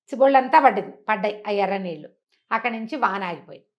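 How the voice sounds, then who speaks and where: A woman's voice: mid-range voice, expressive, fast, highs cut off. A woman telling a folk story conversationally, acting out the dialogue and asking rhetorical questions as she explains.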